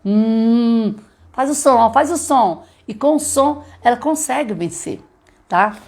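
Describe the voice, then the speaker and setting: A woman's voice: a little high, slow pace, darkish tone. A middle-aged woman teaching literacy in a live stream, explaining and checking in often with her listeners. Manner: explanatory, frequent checking "tá?", demonstrates letter sounds.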